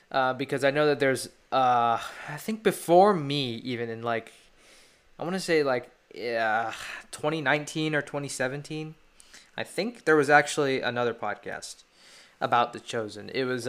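A teenage boy hosts his own podcast, talking solo and casually as a devoted fan who rambles with eager enthusiasm. His mid-range voice sounds pushed and bright.

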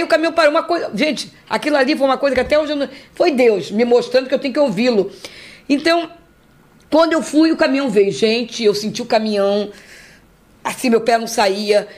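Fast and high-voiced, the host's mother, a woman in her fifties from Rio de Janeiro with that city's Portuguese accent, chats casually as a podcast guest. She spins a long personal tale, voicing the people she quotes and repeating words for emphasis.

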